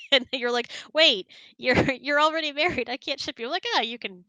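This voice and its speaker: A woman's voice: high-pitched, normal speed, sharp tone, no echo. A woman chatting casually and candidly as host of an online hangout, often dropping "like" into her sentences. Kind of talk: casual chat with spouse.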